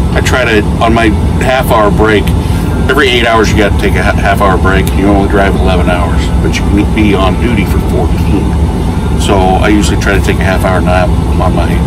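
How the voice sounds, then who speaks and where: Loud background noise surrounds a man who speaks fairly fast. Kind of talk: casual interview answer. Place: car.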